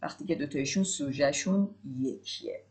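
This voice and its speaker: A woman teaching a French lesson, saying French examples slowly and clearly, then explaining them quickly in Persian, sometimes spelling words out letter by letter. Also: low-pitched, a little mellow. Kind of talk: language lesson.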